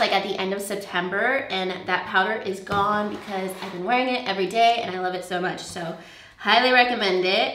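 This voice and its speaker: Speaking at a fairly quick pace with ordinary pitch variation, a woman is heard over noticeable background noise and audible room echo. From US, Connecticut. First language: Spanish. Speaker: beauty YouTuber. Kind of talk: casual chat. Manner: casual, filler-heavy.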